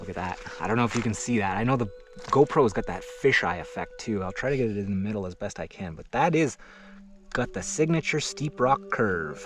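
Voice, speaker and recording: Fairly quick speech over music in the background. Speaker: rockhound vlogger. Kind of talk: casual vlog narration. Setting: outdoors. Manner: soft-spoken.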